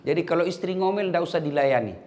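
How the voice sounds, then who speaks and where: A male preacher giving a humorous sermon, telling stories and jumping between high acted voices and low asides. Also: fast, a little mellow.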